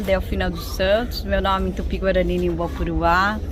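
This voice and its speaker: A woman speaks at a moderate pace. Audible room echo and noticeable background noise come through. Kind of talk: storytelling.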